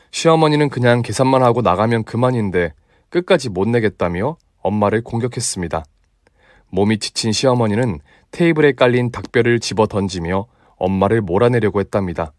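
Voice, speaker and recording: A man's voice: on the low side, no room sound, studio quality. A man reading scripted comic storytelling narration as the narrator of a radio story. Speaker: narrator of listener stories.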